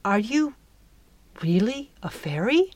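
A woman voicing an eager, impulsive young girl in a storybook, with an earnest, halting way of talking. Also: medium pitch, sing-song, darkish tone, no echo. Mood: doubtful wonder. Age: child.

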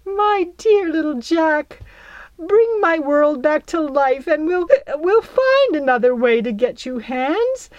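A woman reading an audiobook, voicing a tiny, doting old fairy queen with a breathy, gushing high voice. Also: big pitch swings, measured pace, no room sound, dull audio, heavily acted.

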